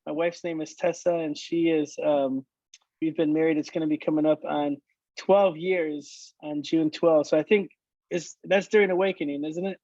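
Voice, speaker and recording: Man, late 30s, fairly high voice, halting casual chat, dry muffled lo-fi sound. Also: fairly even intonation, darkish tone, dry recording. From Michigan, United States. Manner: halting, many restarts and fillers. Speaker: worship leader guest. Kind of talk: casual conversation.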